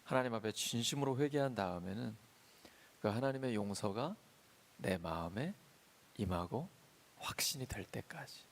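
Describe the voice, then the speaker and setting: Gravelly-voiced male pastor preaching. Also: mid-range voice, lively intonation, moderate pace, pauses often. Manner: swings between loud emphatic preaching and soft confiding storytelling. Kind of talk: sermon. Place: church sanctuary.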